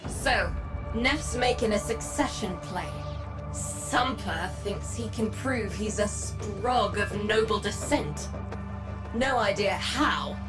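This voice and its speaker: An actress playing a tough, determined underground resistance leader in a video game, blunt, sardonic and commanding. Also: female voice, medium pitch, slow pace, music in the background, lightly acted, rough recording. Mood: conspiratorial. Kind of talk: dramatic video game acting.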